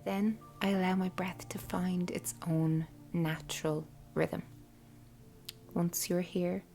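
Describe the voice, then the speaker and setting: A woman leading a guided meditation in a soft, breathy, half-whispered voice with an unhurried, soothing delivery. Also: lowish voice. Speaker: host guiding a meditation. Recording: soft music bed behind voice. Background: quiet background music.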